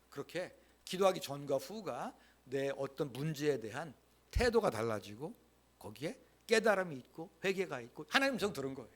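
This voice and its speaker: Animated male pastor, higher voice. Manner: leads the congregation in repeating lines aloud; emphatic, repeats key phrases. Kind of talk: Sunday sermon. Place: church sanctuary.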